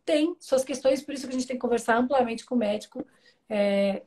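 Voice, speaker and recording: A woman's voice: on the high side, fairly quick. A Brazilian woman in her forties, a guest talking candidly and with humor in a casual interview. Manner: candid, humorous, lively storytelling. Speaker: guest, author.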